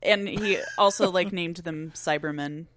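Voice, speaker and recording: A woman's voice: on the low side, a little slow, a bit bright, dry recording. A woman co-hosting a podcast, chatting casually about a TV episode and often adding short agreements. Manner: agreeable, frequent short backchannels. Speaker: podcast co-host. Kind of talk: casual chat reviewing a TV episode.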